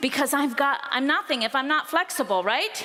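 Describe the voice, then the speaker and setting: Over noticeable background noise, someone speaks in a raised, projected voice at a moderate pace with lively intonation. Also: woman. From Pennsylvania, Old Order Mennonite community. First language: Pennsylvania Dutch. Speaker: homesteading speaker. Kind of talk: conference talk.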